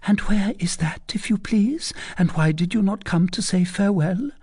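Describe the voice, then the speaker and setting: A man voicing a young noblewoman who reproaches her suitor, pitched well up and sometimes whispered. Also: moderate pace, warm tone, slightly rough, dry recording, clean studio sound. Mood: reproachful.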